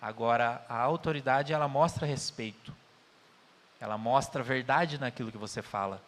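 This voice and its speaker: A man with a Brazilian Portuguese accent speaks earnestly in a conversational spiritist lecture. His voice sits in a middle pitch and carries a long reverb from the hall around him. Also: normal speed. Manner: earnest, tells anecdotes with quoted dialogue.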